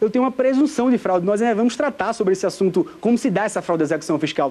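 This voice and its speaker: High-pitched male speech marked by very wide swings in pitch. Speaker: law lecturer. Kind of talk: TV lecture. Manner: animated, emphatic teaching; halting with self-corrections.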